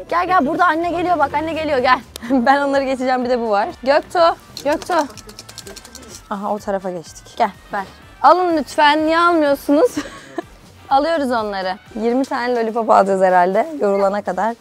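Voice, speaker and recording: A woman's voice: sits high, fairly quick, soft background music. A young woman vlogging outdoors at a playground, coaxing and playing with a toddler in a playful sing-song voice. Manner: playful, coaxing, sing-song baby talk with frequent laughter. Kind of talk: casual vlog, talking to a toddler.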